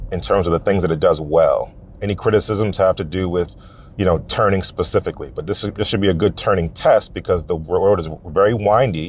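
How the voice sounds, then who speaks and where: The pace is fairly quick. Light background noise sits behind the voice. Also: man, dry sound with no echo. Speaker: car reviewer. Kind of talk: commentary. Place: car. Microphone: phone near.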